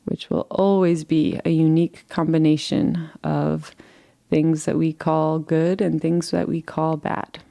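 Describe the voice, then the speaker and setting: A woman leading a guided relaxation meditation in a soothing, gentle way, leaving unhurried pauses between phrases. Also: low voice, level tone, vocal fry.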